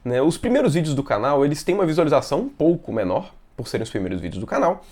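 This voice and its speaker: Casting: Brazilian male video host, slightly high voice, under the weather with sore throat, casual, halting delivery. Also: sing-song, warm tone. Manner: repeatedly adds "né" tags, halting. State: sick with fever and sore throat. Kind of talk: casual talk to camera.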